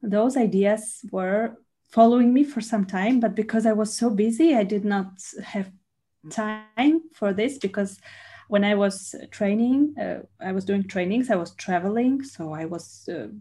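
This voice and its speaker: A woman from Russia with Russian as her first language, a trainer and speaker, answering interview questions in a halting way with many fillers and pauses. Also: medium pitch, warm tone. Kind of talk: conversational interview.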